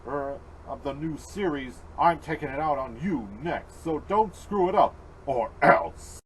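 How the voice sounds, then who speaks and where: A man's voice: fairly high pitch, measured pace, far from the mic, close to an everyday voice, low-quality recording. A menacing robot tyrant acted out by a man, hungry for power and full of threats. He speaks in a grandiose, domineering way in a homemade fan cartoon, with faint noise behind the voice. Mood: threatening. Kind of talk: amateur fan-made cartoon voice acting.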